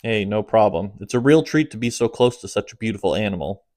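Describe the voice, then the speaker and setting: A calm, practical dad in an audiobook, played by a man who lifts his voice only a little above his own. He speaks in an easygoing, plain way, and the recording is close and dry. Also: on the low side, fast talker, dry recording, lightly acted. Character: calm practical father, a vet.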